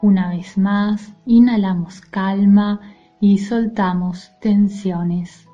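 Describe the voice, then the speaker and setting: A woman leading a guided mindfulness meditation in a soothing, gentle, soft-spoken manner. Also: medium pitch, steady tone, slow, dull audio. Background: music.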